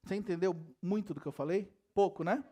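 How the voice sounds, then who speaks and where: A pastor with a high, fast, mellow voice delivers a lively sermon in church. He speaks directly to the congregation, firing off rhetorical questions and joking and laughing as he preaches.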